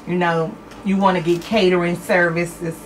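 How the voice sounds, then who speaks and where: A woman hosting a live radio show, reading out listener shout-outs with lively, excited greetings. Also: fairly low pitch, moderate pace, far from the mic, slight background noise.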